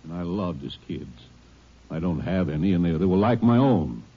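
A man's voice: sits low, animated, normal speed, breathy edge. A man playing a defensive, belligerent store owner under suspicion in a 1950s radio drama, indignant and argumentative, on a muffled old radio recording. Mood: defensive, aggrieved.

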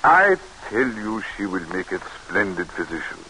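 An excitable young medical student, fussy and stammering, his voice jumping around a lot. Vintage radio broadcast sound with faint background noise. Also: on the low side, moderate pace, low-quality recording. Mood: amused. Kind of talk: 1940s radio acting.

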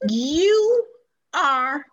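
A woman's voice: sits high, big pitch swings, extremely slow, a bit bright, dull audio. A woman executive producer, a guest on a talk show, speaking in an effusive, gushing way with many fillers. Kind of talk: casual interview chat.

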